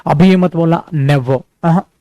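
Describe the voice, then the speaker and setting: Man, Indian accent, English teacher, slightly high voice, very unhurried, dry close sound. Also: dark tone, dry recording. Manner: addresses students as dear and son, repeats words for drill; slows to a careful crawl for English example sentences. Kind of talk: online spoken-English class.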